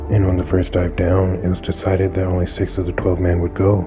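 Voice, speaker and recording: A man at a moderate pace with a very deep, low pitch, music in the background. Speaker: documentary narrator. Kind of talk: storytelling narration.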